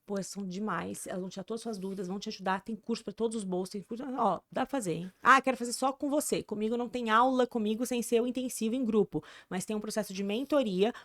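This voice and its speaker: A woman's voice: mid-range voice, quick pace, hardly any pauses. A woman from Brazil, an English teacher, chatting casually as a guest and promoting her courses. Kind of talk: casual interview chat.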